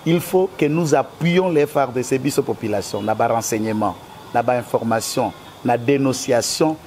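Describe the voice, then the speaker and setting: A man's voice: medium pitch, normal speed, a little mellow, a little hiss or hum. A man with a Congolese French accent, a guest in a political interview, speaking in an emphatic, argumentative way.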